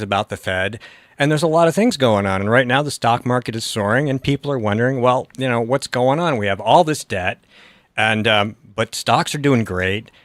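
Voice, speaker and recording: Speaking at a fairly quick pace, a man has a plain, everyday voice, a medium pitch and ordinary pitch variation. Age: 60s. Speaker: radio talk show host. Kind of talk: talk radio interview.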